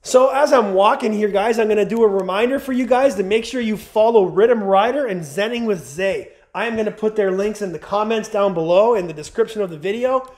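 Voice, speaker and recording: Brisk and barely pausing, a man in his forties with a high, slightly mellow voice and a runny nose narrates his handheld-camera tour of an empty abandoned house. The urban explorer chats casually, repeatedly calling his viewers "guys."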